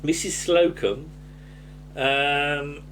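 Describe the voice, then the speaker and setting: A man's voice: a little high, steady tone, extremely slow, a bit bright, a little hiss or hum. Rambling Englishman in casual chat. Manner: hesitant, rambling, tag questions. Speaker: podcast host. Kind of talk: casual episode-review chat.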